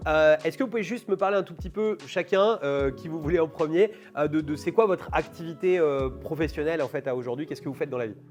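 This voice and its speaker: Talking fast with hardly any pauses, this interview host rambles through lengthy turns, restarting and filling gaps as he goes. His voice runs high, and faint music can be heard in the background.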